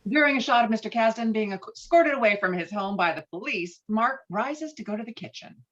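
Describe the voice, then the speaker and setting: A woman's voice: a little high, lively intonation, brisk, a bit bright, highs cut off. A woman reading screenplay stage directions as scripted narration, on video-call audio.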